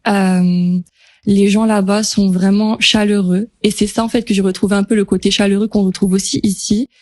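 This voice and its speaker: A woman in her twenties, a pageant contestant, chatting casually in a radio interview with relaxed hesitations and easy laughter. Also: mid-range voice, moderate pace, no echo. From French Polynesia. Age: 20s. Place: radio studio.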